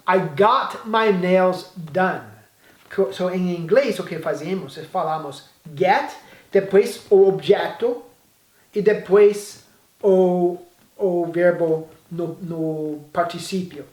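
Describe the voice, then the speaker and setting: A man whose first language is English, teaching an English lesson in Portuguese and saying the model phrases slowly and carefully. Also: high-pitched, reverberant.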